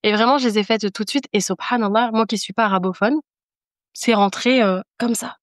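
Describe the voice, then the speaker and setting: A woman's voice: medium pitch, fairly even intonation, fairly quick, no room sound, clean studio sound. A woman speaking as a podcast guest in casual conversation, giving an earnest, emphatic personal testimony and repeating phrases for emphasis.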